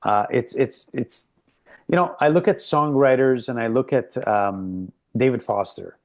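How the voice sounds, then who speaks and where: A man's voice: medium pitch, unhurried, darkish tone. A man hosting an interview, talking casually and appreciatively with many restarts. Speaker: host.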